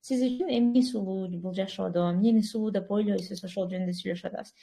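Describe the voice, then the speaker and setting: A woman's voice: mid-range voice, steady tone, quick pace, gravelly, mellow. A woman hosting an online English speaking club, encouraging the participants and switching between English and over a video call. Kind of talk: online English conversation class.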